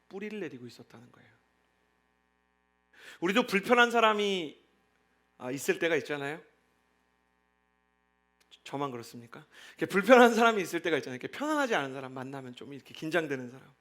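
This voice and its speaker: A man's voice: fairly high pitch, fairly bright tone. A male pastor giving a sermon to young adults in a conversational way, often asking the congregation questions and leading them in reading scripture together.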